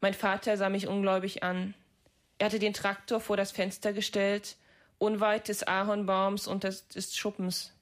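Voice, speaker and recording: Calm literary reader, woman, very even flat delivery, measured. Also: medium pitch. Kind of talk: literary reading.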